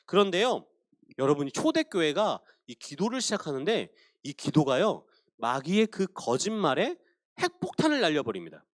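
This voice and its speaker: A man's voice: fairly high pitch, wildly swooping pitch, moderate pace, no room sound, studio quality. A man preaching a sermon at a Christian school, telling the story with animation and addressing his listeners directly.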